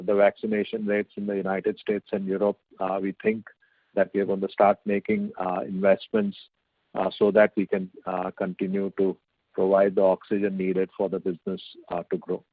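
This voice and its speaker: A male company executive giving halting, measured, hedging answers on an earnings call over a conference phone line. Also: low voice, no room sound.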